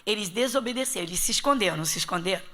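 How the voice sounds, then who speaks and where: Bright-voiced woman pastor from Rio. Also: mid-range voice, animated, very fast. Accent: Rio de Janeiro Portuguese. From Brazil. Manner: emphatic, asks the class rhetorical questions. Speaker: pastor teaching Bible school. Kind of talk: Bible study teaching.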